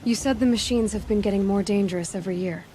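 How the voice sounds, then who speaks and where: A woman's voice: medium pitch, fast talker, dark tone, a little hiss or hum, lightly acted, rough recording. A woman playing a direct, curious young tribal hunter in a video game, speaking plainly. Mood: curious, guarded. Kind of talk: naturalistic video game dialogue acting. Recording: music behind the voice.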